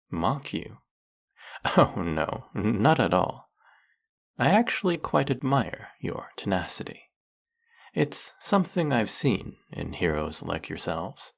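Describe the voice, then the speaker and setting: An actor playing a suave snake-headed male villain who teases his captive in an audio roleplay, with a slow, mocking, silky manner. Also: lowish voice, vocal fry, full character voice. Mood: flattering.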